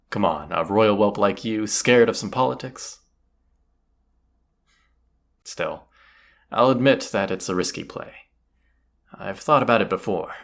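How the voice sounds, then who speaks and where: A man's voice: low voice, vocal fry, a bit bright, full character voice. A man playing a cocky, teasing, commanding bandit leader in a roleplay audio drama, casual and swaggering. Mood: teasing, confiding. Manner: casual, teasing, swaggering, rhetorical tag questions.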